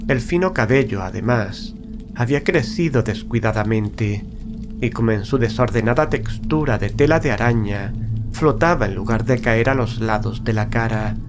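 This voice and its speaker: A man narrating a Gothic horror tale in a solemn, measured, literary style. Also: medium pitch. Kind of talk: scripted horror audiobook narration. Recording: prominent music bed under narration. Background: music.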